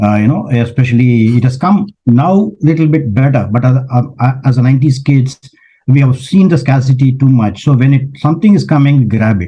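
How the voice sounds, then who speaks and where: Somewhat breathy and dark, mellow in tone, a man talks fairly quickly at a medium pitch with ordinary pitch variation. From India. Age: 60s. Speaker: coach. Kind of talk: casual chat.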